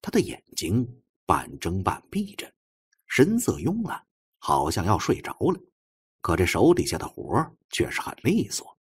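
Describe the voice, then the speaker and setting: Low, husky, very animated male audiobook narrator. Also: unhurried. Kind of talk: dramatic scripted novel narration.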